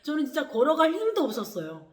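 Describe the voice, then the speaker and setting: A woman tells her own story with real animation. She acts out what others said and keeps an expressive, slightly high voice. The sound carries a noticeable room echo. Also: quick pace. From North Korea. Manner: animated, acts out quoted voices with gasps and laughs. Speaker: vlogger. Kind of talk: personal storytelling. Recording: echoey room.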